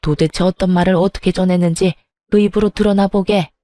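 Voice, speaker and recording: A woman's voice: fairly low pitch, steady tone, brisk, mellow, no room sound, lightly acted. A woman voicing a scornful, defensive older mother-in-law. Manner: scornful, self-justifying.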